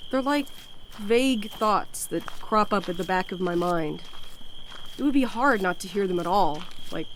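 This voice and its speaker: Sardonic postmaster played by a woman for audio drama: blunt, weary, casual, medium pitch, light outdoor night ambience. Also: expressive, measured pace, slight background noise, lightly acted, low-quality recording. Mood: distracted, uneasy. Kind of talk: scripted audio drama acting. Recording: faint outdoor cricket ambience. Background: crickets and night sounds.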